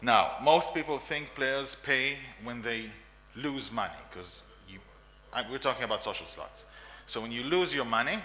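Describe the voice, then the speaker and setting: A man's voice: mid-range voice, lively intonation, moderate pace, pushed and bright, a little hiss or hum. Israeli man giving a conference talk. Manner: emphatic, repeats lists, frequent coughs and fillers. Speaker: conference speaker. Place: conference room, indoors.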